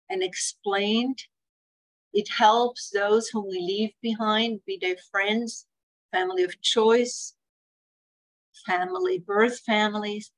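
A woman's voice: medium pitch, fairly bright tone, rough recording. An older woman with a Swiss accent, speaking earnestly on a video call and telling family stories about care planning. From Switzerland. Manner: earnest, storytelling, acts out quoted family voices. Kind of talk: webinar talk with anecdotes. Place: home room, indoors.

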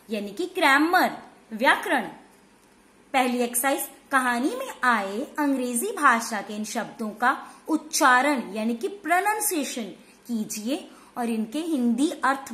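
A woman teacher with a high voice leads a class for small children. She goes slowly, spells words letter by letter, and answers her own questions. Her voice rings around an echoey room at home. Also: fairly bright tone. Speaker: school teacher. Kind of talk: online class lesson.

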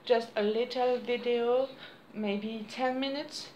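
A woman in her thirties with a French accent, chatting to camera at home in halting English, losing her voice. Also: a little high, fairly even intonation, darkish tone, roomy sound, a little hiss or hum, low-quality recording. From France. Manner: halting non-native English with frequent restarts and apologies. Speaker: crafts vlogger. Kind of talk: casual chat to camera. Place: small room indoors at home. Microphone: camera on a desk close by.

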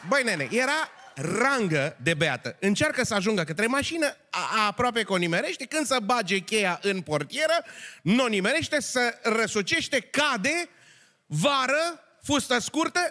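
Male stand-up comic, high pitch, drawling delivery, hall reverb with faint audience. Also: bright, forceful tone. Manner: drawling, with long pauses and filler sounds. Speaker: stand-up comedian. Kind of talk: stand-up joke telling. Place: large hall with live audience.

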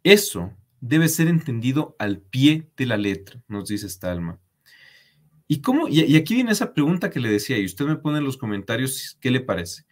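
A man's voice: mid-range voice, big pitch swings, normal speed. A man giving a religious commentary on a letter. He is emphatic and repetitive, addresses his viewers directly and asks them to comment. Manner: emphatic repetition, frequent restarts. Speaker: preacher.

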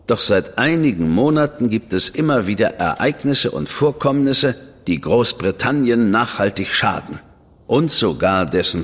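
An actor playing a cool, arrogant government official who speaks in a measured, superior, quietly threatening way. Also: male voice, on the low side, breathy edge, in a large hall, exaggerated voice. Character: cool, arrogant high official, man, middle-aged. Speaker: government official recruiting an investigator. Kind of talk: radio play acting.

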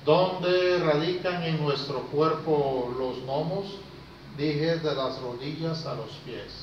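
A man, giving an informal lecture to a small class in an unhurried way, with pauses and questions to his listeners. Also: fairly high pitch, far from the mic. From Costa Rica. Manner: unhurried, pausing between short phrases, questioning listeners. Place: small indoor classroom with whiteboard. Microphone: handheld camera a few metres away. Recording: very echoey, noisy, muffled room recording from afar.

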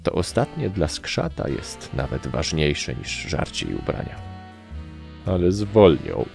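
Brief: male audiobook narrator, low gravelly voice, animated delivery. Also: unhurried, faint music behind. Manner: lively, expressive reading. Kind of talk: first-person story narration.

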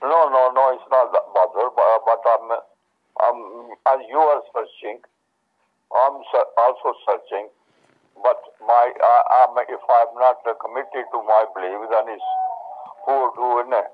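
A man whose first language is Urdu talks on the phone, full of restarts and fillers. His voice comes through a narrow, tinny telephone line. His pitch sits in the middle. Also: steady tone. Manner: halting, repeats words, many fillers. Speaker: mosque representative on a phone call. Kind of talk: hesitant phone conversation.

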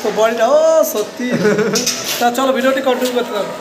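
A man's voice: extremely high pitch, steady tone, fast. A young man vlogging casually from his school gym, chatty and repetitive, filming himself with a phone at arm's length. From India. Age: young adult. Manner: chatty, repeats himself, urges viewers to keep watching. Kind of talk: casual vlog narration. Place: echoey school gym room, indoors. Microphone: phone camera held at arm's length. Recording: echoey room with noise.

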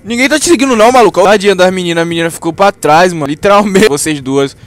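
A young man with a Brazilian Portuguese accent, doing loud, profane gameplay commentary and jumping between yelling and muttering. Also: high voice, fast talker, no echo. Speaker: gaming youtuber.

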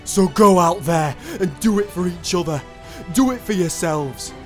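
A male actor playing a fervent leader giving a loud, rousing motivational speech. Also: high voice, a little slow, soft background music. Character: rousing leader firing up his team for Yorkshire.

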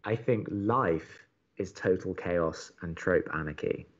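A man playing an earnest, love-struck young college radio host in an audio drama, speaking in a deliberate, pleading way. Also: sits low, muffled recording. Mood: insistent. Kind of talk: naturalistic audio drama acting.

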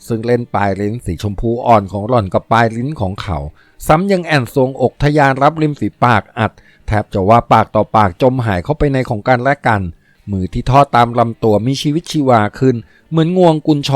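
A man narrating a novel as an audiobook reading in a steady storytelling manner. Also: mid-range voice, fairly quick, no echo.

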